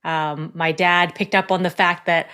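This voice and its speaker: A middle-aged woman speaks as an interview guest, her voice sitting a little low for a woman. She talks in a friendly, reflective way, laughing easily and restarting a phrase now and then. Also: level tone, a little slow, pushed and bright, clean tone. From born in South Korea, raised in the United States. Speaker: guest, executive leadership coach. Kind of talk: casual interview conversation.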